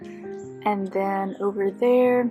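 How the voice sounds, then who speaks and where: Music plays in the background. A woman with an American accent speaks with ordinary pitch variation. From Northwest Georgia, US. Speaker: artist and storyteller. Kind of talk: casual talk to camera. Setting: outdoors, garden.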